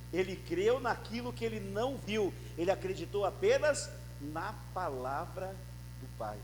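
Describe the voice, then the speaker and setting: A man preaching a sermon as pastor, swinging from loud emphatic rises to a soft storytelling voice as he tells a story. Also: high-pitched. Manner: preaching with emphatic rises, then softly telling a story and voicing its characters. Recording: church hall reverb with faint mains hum.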